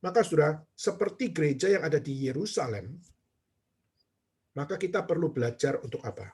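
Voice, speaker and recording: Male pastor, sermon, storytelling, rhetorical questions, raised pitch, breathy voice. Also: expressive, fairly quick, a little mellow. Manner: storytelling, quoting others, rhetorical questions to the congregation.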